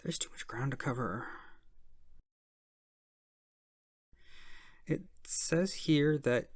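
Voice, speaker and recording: Shy flustered tax agent as an ASMR performer acts it, soft-spoken, hesitant, gravelly fry, very dry close recording, roleplay. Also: mid-range voice, no echo. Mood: hesitant, suspicious. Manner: hesitant, halting, stammering. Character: shy, flustered, awkward IRS auditor.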